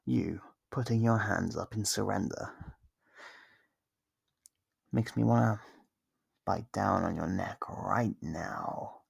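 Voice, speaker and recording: An actor voicing a smug, possessive, centuries-old vampire in an ASMR roleplay, slow and condescending, with a gravelly, husky voice and whispered phrases. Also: low-pitched, dry recording, full character voice. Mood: smug, hungry. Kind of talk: ASMR roleplay monologue to the listener.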